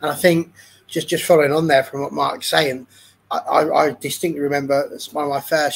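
This is a man with an ordinary speaking voice. His pitch is fairly high and his pace moderate. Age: 40s. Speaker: football fan panelist. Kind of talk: casual chat. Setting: video call. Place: home room.

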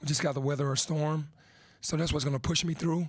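The man's intonation is monotone and flat, and his voice is somewhat breathy. The sound is dry with no echo over a quiet background. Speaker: basketball head coach. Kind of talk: press conference answer. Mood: subdued, reflective after loss. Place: meeting room. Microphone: podium.

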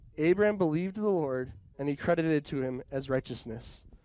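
This man's intonation is lively and his pace moderate, with a dry sound that has no echo. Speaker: preacher. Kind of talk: sermon. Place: stage.

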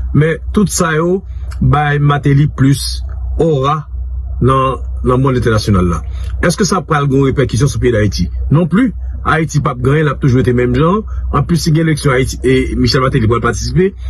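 A man at a very fast pace, dry sound with no echo, light background noise. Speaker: radio news host. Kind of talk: news broadcast. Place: car. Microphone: phone near.

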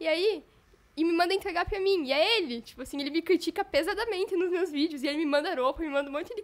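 A woman speaks at a very fast pace in an extremely high pitch, with ordinary pitch variation. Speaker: digital influencer and student; digital influencer. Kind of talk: casual chat. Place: studio. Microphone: studio mic.

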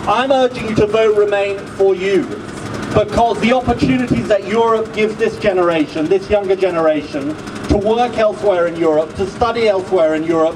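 Noticeable background noise behind a man's fairly quick speech, its pitch varying in an ordinary way. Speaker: politician addressing a rally. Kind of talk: rally speech. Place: street. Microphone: pa.

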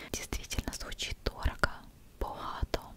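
A woman is whispering. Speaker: perfume reviewer. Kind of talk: soft-spoken ASMR perfume review chat. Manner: soft intimate ASMR voice. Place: home room. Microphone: studio mic.

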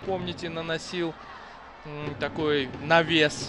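Over crowd noise, a man speaks in a raised, projected voice. His pace is very slow. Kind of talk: live football commentary over match highlights.

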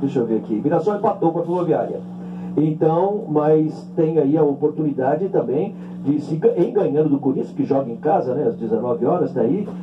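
Noticeable background noise sits behind a man whose fairly high voice moves at a moderate pace with lively intonation. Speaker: radio sports commentator. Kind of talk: sports radio commentary. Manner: conversational, hesitant with repeated words. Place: studio.

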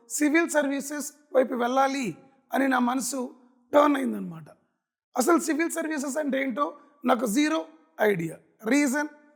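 Extremely high for a man, his pitch varies in an ordinary way. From Nellore district, Andhra Pradesh. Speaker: exam coaching trainer. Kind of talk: motivational talk.

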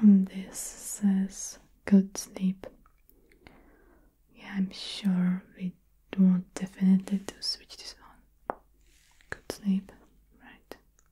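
Over light background noise, a woman speaks in a dark, mellow, somewhat breathy tone with monotone, flat intonation. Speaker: ASMR creator. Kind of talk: soft-spoken ASMR role-play. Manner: soft, hushed close-mic ASMR voice.

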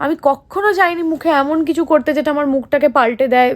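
High pitch from a woman, its rise and fall ordinary in range. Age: 20s. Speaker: vlogger and actress. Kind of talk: casual vlog.

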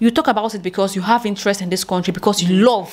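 A woman with a Nigerian accent at a very fast pace. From Nigeria, Imo State (southeast, Igbo). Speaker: YouTuber and trader. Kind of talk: interview. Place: home room. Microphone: studio mic.

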